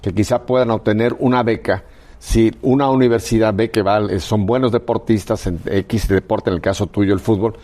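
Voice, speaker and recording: Catholic radio host, explanatory. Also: male voice, on the low side, steady tone, moderate pace, darkish tone. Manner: explanatory, guiding questions.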